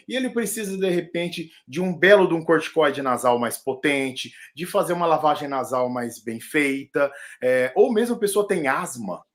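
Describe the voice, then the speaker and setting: A middle-aged man, a lung doctor, explaining respiratory infections in an animated, casual way with jokey asides during a live video chat. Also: medium pitch. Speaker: pulmonologist.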